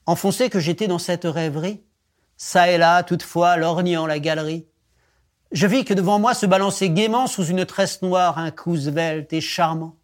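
A man introducing and then reciting a romantic poem in a measured, expressive declamation. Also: sits high. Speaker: poetry reciter. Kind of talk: poetry recitation.

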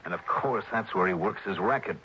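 An actor playing a tough, wry insurance investigator who talks brisk and insistent. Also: male voice, fairly low pitch, lightly acted. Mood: determined. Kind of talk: 1960s radio drama acting. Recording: muffled old radio broadcast with hiss.

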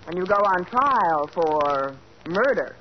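A brisk young sidekick. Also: female voice, lowish voice, lively intonation. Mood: tart. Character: lively young woman assistant to a detective. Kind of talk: 1940s radio acting. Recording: dull old radio recording with hiss.

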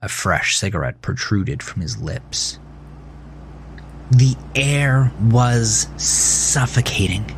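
A man narrating a horror thriller story in an intense, suspenseful way, often dropping to a breathy hush. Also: mid-range voice, animated, slow, slight background noise, rough recording. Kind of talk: dramatic scripted storytelling. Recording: loud music under the voice. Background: loud music bed.

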